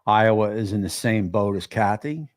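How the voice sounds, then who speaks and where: Halting New Jersey man hosting a chat. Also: on the low side. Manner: halting, restarts often, reads viewer comments aloud. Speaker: livestream host. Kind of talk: casual livestream chat.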